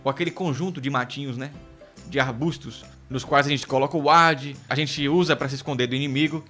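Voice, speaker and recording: Bright-voiced man teaching pronunciation. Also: medium pitch, steady tone, soft background music. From United Kingdom. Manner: explanatory, repeats words slowly to model pronunciation. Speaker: English teacher. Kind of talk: online English lesson.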